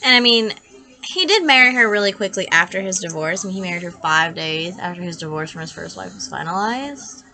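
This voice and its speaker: Female true crime vlogger, bright and punchy, audibly sick and nasal, sore to talk, chatty and opinionated. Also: fairly low pitch, lively intonation, fairly quick. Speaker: true crime video host. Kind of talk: casual storytelling to camera.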